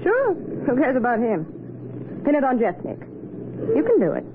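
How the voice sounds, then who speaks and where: A scheming lady crime boss for vintage radio crime drama: very high, animated voice, insistent bargainer. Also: normal speed. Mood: coaxing, insistent. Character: cunning female crime boss, cool and bargaining. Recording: noisy, tinny vintage radio recording.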